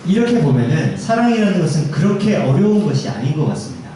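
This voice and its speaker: A man's voice: a little high, very animated, fast talker, warm tone, slight background noise. A man, a junior pastor, preaching a sermon in a church in a conversational way, often putting questions to the congregation. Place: church sanctuary. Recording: echoey church hall, mic far off.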